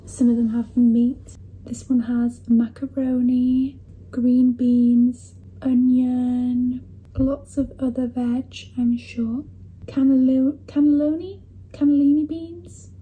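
A woman's voice: high-pitched, flat delivery, slow pace, narrow, tinny audio. A young woman, a university student chatting casually through her day in a vlog, with small laughs and a self-deprecating manner.

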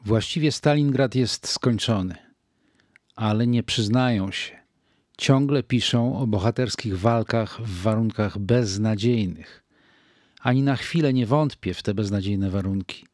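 Slow, grave older man reading. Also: lowish voice, a little mellow, dry recording, clean studio sound. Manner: measured, grave, deliberate pauses. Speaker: reader of a wartime diary. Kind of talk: slow reflective diary reading.

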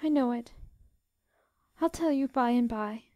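A woman reading a storybook, voicing a gentle, fragile teenage girl, tearful and sobbing. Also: on the high side, unhurried, no room sound, studio quality, voice pushed up, natural voice. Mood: soft.

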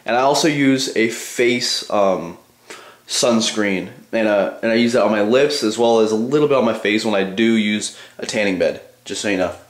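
Male vlogger, twenties, lowish voice, offhand and informal, casual rambling delivery, echoey small bathroom sound. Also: normal speed. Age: 20s. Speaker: bodybuilding vlogger. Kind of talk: casual rambling vlog to viewers. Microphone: handheld camcorder at arm's length.

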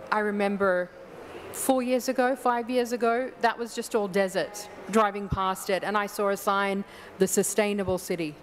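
A woman's voice: medium pitch, a little hiss or hum. Woman moderating a conference panel. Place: large conference hall stage. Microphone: desk microphone on a stand.

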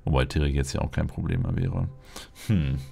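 A man doing casual, musing Let's Play commentary and roleplay in a deadpan way. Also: very deep voice, moderate pace, creaky, slight background noise.

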